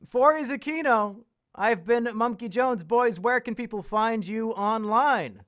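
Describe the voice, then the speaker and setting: A man's voice: extremely high pitch, measured pace, a bit bright. A man hosting a casual podcast, cracking crude teasing jokes and laughing often. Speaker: podcast host.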